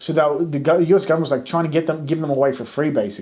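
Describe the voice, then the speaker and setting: With an Australian accent, a man talks in a dark, mellow tone. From Greek Australian. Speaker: podcast host. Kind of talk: casual podcast talk to camera.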